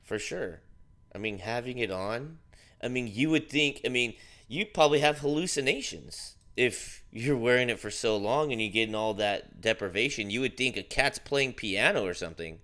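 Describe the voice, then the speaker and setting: A man's voice: medium pitch, expressive, normal speed, sharp tone. A man hosting a casual live news stream, joking and rambling with lots of fillers. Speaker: livestream news host.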